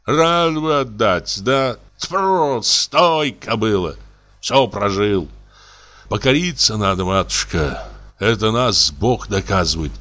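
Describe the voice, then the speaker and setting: A man's voice: lowish voice, expressive, slow pace, fairly bright tone. A man voicing a self-pitying, lamenting spendthrift who calls himself a scoundrel, in an audiobook reading.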